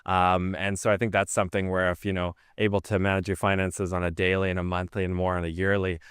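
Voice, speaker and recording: A man's voice: low voice, little pitch movement, quick pace, fairly bright tone, clear, resonant tone, no room sound, studio quality. A man in his twenties, a law student, giving reflective, rambling answers. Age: 20s.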